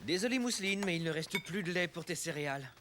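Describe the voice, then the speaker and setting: Gentle cartoon father, played by a man: lightly teasing, very varied intonation. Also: on the high side, animated, fast talker, natural voice. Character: gentle, teasing young dad of a cartoon family. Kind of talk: French children's cartoon dialogue. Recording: music behind the voice.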